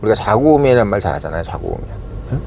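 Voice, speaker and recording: Lively man who keeps asking his listeners to agree. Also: fairly low pitch, creaky, a little hiss or hum. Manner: talks in short bursts, keeps asking "응?" and "어?" for agreement; slows down to stress key words. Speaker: commentator. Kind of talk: casual political commentary to subscribers.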